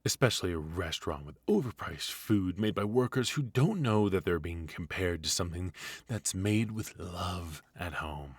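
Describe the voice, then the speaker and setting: A man's voice: low voice, animated, normal speed, breathy edge, no room sound. A man playing a retired supervillain husband in a comedic ASMR roleplay, teasing and doting with a theatrical, conversational delivery. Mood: playfully competitive.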